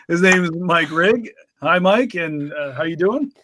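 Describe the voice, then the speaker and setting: A man's voice: on the high side, lively intonation, measured pace, fairly bright tone, dry recording. A man hosting a podcast and introducing his guests with chatty jokes. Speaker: podcast host.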